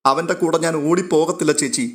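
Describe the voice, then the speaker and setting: A man's voice: fairly high pitch, fairly even intonation, fast, natural voice. Male reader as a young woman on the edge of tears, pleading. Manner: pleading and tearful. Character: tearful young woman torn over her lover.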